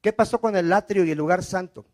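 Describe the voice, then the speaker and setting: A man's voice: high-pitched, fast talker. A man preaching a sermon as pastor, asking the congregation questions and having them repeat after him. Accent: Mexican Spanish. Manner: call-and-response preaching, frequent rhetorical questions.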